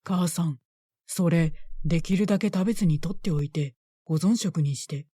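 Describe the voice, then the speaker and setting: A woman voicing a calm, terse young man who sleeps for years and talks flatly. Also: on the low side, moderate pace, husky, no room sound, studio quality. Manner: flat, terse, matter-of-fact.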